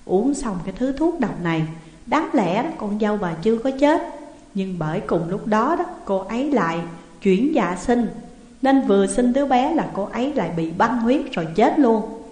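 A stern male exorcist who accuses in a steady, judge-like tone, as a woman narrator puts him on. Each question lands heavily and without pity. The voice echoes in a room with a long reverb. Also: fairly high pitch, moderate pace, lightly acted.

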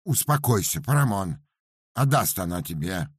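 A stern older landowner, as a male reader puts him on, barking short commands in a raised voice. The timbre is husky and gravelly. The storybook recording is dry and close. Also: mid-range voice, very animated, a little slow, no room sound, voice pushed up, exaggerated voice. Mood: weary.

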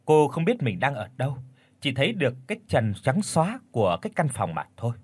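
A man narrating an audio story in a dramatic, expressive way. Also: medium pitch, brisk, breathy edge, no room sound.

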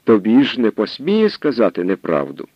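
A man's voice: lowish voice, wildly swooping pitch, moderate pace, dry recording, lo-fi sound. A man voicing a timid, hesitant male guard who reports nervously, in an audiobook reading. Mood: anxious.

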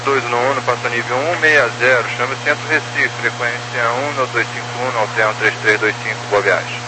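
A man's voice: medium pitch, steady tone, a little fast. A man working as an air traffic controller, giving clipped procedural instructions over a walkie-talkie style radio. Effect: over walkie-talkie style aviation radio. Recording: noisy, humming two-way radio transmission.

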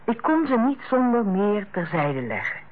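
An actress in a Dutch radio play as a female hospital director, authoritative yet kindly, speaking in a measured, formal and persuasive way. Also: medium pitch, very animated. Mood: tactful, measured. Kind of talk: Dutch radio drama acting. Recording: muffled, band-limited old radio recording.

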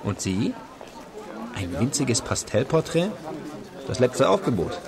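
An actor playing a worldly, theatrical screen star turned black marketeer, declamatory and sardonic, in a German radio play. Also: male voice, medium pitch, very animated, unhurried, vocal fry, a little mellow. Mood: wry, brisk. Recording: busy urban crowd behind the voice.

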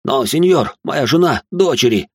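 A man's voice: lowish voice, fairly quick, darkish tone, dry recording, studio quality. A man voicing a frightened, pleading older male jeweler who begs and wails. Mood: desperate. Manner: begging, wailing.

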